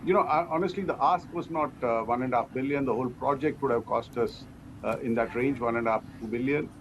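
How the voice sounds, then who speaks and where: A man giving measured, explanatory answers as a company executive in an interview. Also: mid-range voice. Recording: clearly noisy background.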